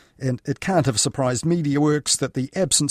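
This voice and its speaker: Somewhat breathy, a man speaks with a New Zealand accent and lively intonation. The recording is very clean, the background silent. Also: dry, close sound with no echo. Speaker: media commentary show presenter. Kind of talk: scripted narration.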